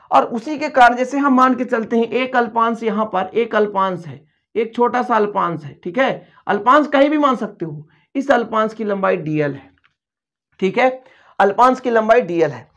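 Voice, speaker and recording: Male physics tutor for a school coaching class. Patient and repetitive, fond calls to the pupils, slows down to dictate notes. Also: sits high, a bit bright. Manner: repetitive, coaxing, addresses pupils as dear children; slowly dictates notes word by word. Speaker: physics teacher. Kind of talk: Hindi-medium classroom lecture at a board.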